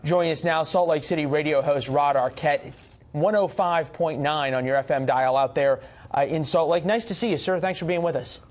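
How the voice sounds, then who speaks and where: A man's voice: a little high, normal speed. An American man working as a news anchor, conducting a live political interview.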